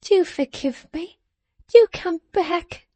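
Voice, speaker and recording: Woman acting a timid, high-voiced pleading wife. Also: slow pace, no room sound. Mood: tearful, pleading. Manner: high, soft, imploring delivery. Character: timid, pleading, tearful wife of a cruel dwarf.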